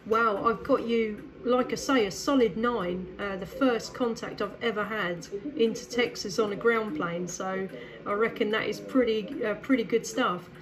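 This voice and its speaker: A woman's voice: medium pitch, normal speed, crowd noise, rough recording. A woman with an English accent chats casually and a little hesitantly as a friendly CB radio operator. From England.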